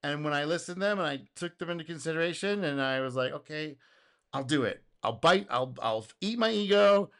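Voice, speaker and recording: Animated, slightly hoarse man reacting. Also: a little high, fairly quick. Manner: animated, exclaims and laughs, acts out customer quotes. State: getting hoarse. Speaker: host reacting to a video. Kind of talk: casual reaction commentary.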